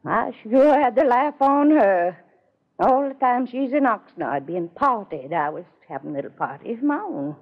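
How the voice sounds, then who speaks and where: Creaky, spiteful old spinster. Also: female voice, a little high, very animated, normal speed. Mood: smugly gleeful. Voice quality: elderly, creaky voice. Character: spiteful, self-satisfied spinster of seventy-nine, jealous of sister. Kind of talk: 1950s radio drama acting. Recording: muffled vintage radio recording.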